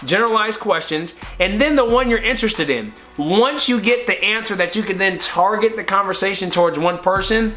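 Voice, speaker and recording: A young man co-hosting a podcast, giving casual advice in a relaxed way, often restarting words and acting out sample conversations. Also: high voice, brisk, few pauses, soft background music. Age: young adult. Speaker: podcast co-host.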